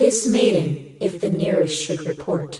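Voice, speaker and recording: Putting on a character voice, a woman speaks fairly slowly at a fairly low pitch with lively intonation and a strong echo. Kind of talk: choral tragic verse. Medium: audio drama. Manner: formal, elevated.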